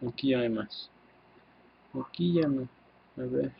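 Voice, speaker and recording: A man with a Mexican accent giving casual, excitable gameplay commentary, swearing freely and talking to his viewers. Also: medium pitch, takes it slowly, vocal fry, husky, highs cut off. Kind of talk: casual let's-play commentary.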